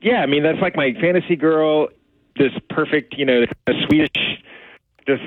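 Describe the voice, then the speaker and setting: A man's voice: a little high, dry recording. Hesitant man on a phone line. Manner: hesitant, halting, awkward laughs. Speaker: caller. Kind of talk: phone conversation with radio hosts.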